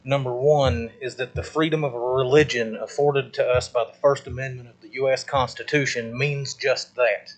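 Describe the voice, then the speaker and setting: A man giving a prepared public statement at a meeting, measured and formal as he lists his points one by one. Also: mid-range voice, steady tone, rough recording. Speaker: public commenter at a school board meeting.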